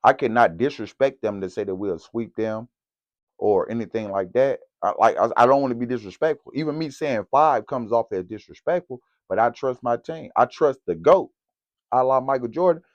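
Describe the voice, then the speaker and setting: A man giving casual, slangy basketball commentary as a vlogger, in an animated, direct way. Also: medium pitch, moderate pace, dry recording. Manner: animated, slangy, talks straight to camera. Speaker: sports vlogger. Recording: dull, lo-fi, dry recording.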